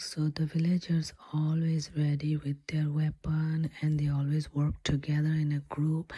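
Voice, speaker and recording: A woman doing ASMR storytelling in a breathy whisper, halting between short phrases. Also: low voice, dark tone.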